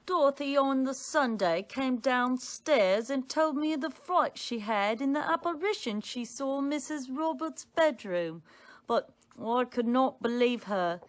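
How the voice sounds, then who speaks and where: Slow, anxious old cook, acted by a woman. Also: sits high, expressive. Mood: frightened. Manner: halting, anxious, deliberate. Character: frightened elderly female household cook giving testimony. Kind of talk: dramatic reading of a witness account. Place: home room, indoors.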